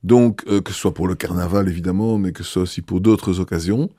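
Male bishop, interviewed; mellow, low tone, hesitant and measured delivery. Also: no echo, clean studio sound. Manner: thoughtful, hesitant, frequent filler pauses. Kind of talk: interview answers.

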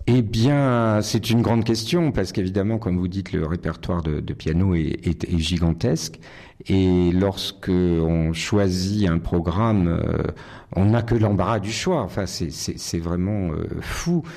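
Low, mellow-voiced thoughtful pianist man. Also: measured pace. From Nice, France. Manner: thoughtful, hesitant, many fillers and restarts. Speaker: concert pianist. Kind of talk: interview answers.

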